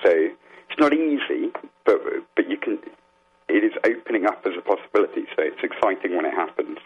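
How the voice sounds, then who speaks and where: A man with a very low, clean and resonant voice talks as a guest being interviewed. He is earnest and reflective, explaining carefully and pausing to find his phrasing. The sound is dull and muffled, like a phone line. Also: sing-song, husky.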